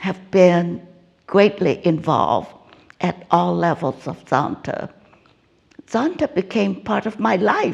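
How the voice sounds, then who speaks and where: Long, frequent pauses break up a woman's speech. Her pace is very slow. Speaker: retired teacher and club volunteer. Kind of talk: interview answer.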